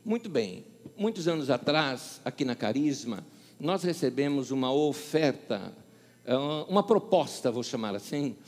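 This Paulistano-accented preacher from São Paulo, Brazil, has a mid-range voice and a measured pace, with big-room sound around him. Delivering his sermon, he narrates stories and performs the dialogue, shifting lively between voices.

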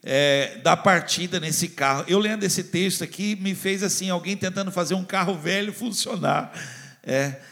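A man, preaching a sermon and leading prayer, fervent and repetitive, moving from hushed pleading to loud urging. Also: sits high, moderate pace, vocal fry. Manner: addresses listeners directly, repeats phrases. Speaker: pastor.

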